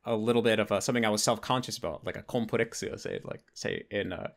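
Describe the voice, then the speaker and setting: Man, twenties, American accent, slightly low pitch, casual interview host, conversational. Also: fairly even intonation, fast, vocal fry. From United States. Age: 20s. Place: bedroom at home.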